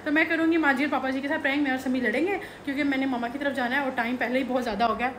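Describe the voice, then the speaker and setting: A young woman vlogging at home, talking excitedly to camera. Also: high-pitched, very fast, reverberant, slight background noise. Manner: excited, talks straight to camera. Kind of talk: casual vlog chat. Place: at home indoors.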